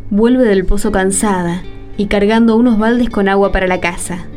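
Female narrator, Argentine accent, mid-range voice, scripted radio theatre narration, soft music behind. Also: mid-range voice, steady tone, moderate pace.

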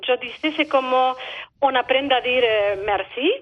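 Argentine-accented woman caller, fifties, high-pitched and halting, heard over a telephone. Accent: Argentine Spanish. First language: Spanish. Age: 50s. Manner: hesitant, many fillers, tag questions "non?". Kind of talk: phone-in conversation. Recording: tinny phone line.

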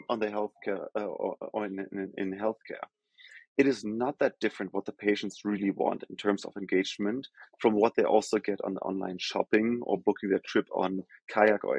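A man from Germany with a German accent, a company founder explaining things in a measured podcast interview, often pausing with "um". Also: on the low side, vocal fry, a little mellow, husky, dry recording, low-quality recording. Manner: measured, explanatory, frequent "um" and self-corrections.

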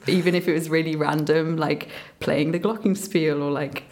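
Chatty young woman, low flat voice. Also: normal speed. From Burma. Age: young adult. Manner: chatty, eager, filler-heavy. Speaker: medical student guest. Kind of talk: casual interview chat.

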